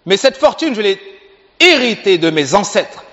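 A man's voice: high voice, sing-song, normal speed, a bit bright, heavily acted. A man voicing a proud, stingy rich man who curtly turns away a beggar. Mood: dismissive. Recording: reverberant hall, dull sound.

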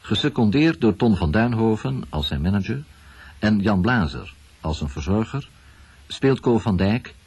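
A man reading scripted narration for a radio documentary in a formal, measured manner. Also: lowish voice, sing-song, a little mellow, slightly rough.

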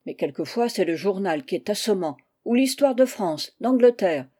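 A woman voicing a resentful but softening orphan boy in an audiobook, complaining and earnest. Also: mid-range voice, expressive, moderate pace, slightly rough.

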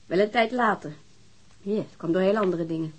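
A woman's voice: medium pitch, a little fast, husky, close to an everyday voice, poor audio. An actress playing a weary, defensive divorced mother, answering questions hesitantly in a naturalistic radio drama. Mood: defensive, aggrieved.

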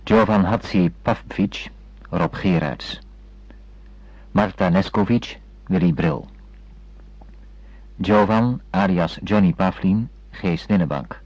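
A male radio announcer with a deep voice reads credits formally and very slowly. The sound is dry and close, with a dull, lo-fi radio quality. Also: a little mellow, no room sound. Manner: measured, formal.

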